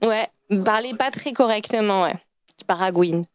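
A woman who teaches French, explaining a word in a friendly, relaxed way. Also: medium pitch, moderate pace, clean tone, no echo. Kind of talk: casual explanation.

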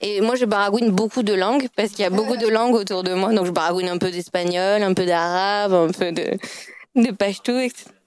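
Smooth-voiced French teacher woman. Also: medium pitch, fairly quick, dry recording. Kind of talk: casual explanation.

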